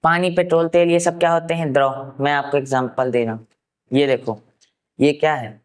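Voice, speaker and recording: A man from Uttar Pradesh giving a science lesson, asking rhetorical questions and answering them himself, and slowly repeating key terms for note-taking. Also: a little high, fairly even intonation. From Uttar Pradesh, India. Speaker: science teacher. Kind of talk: classroom science lecture.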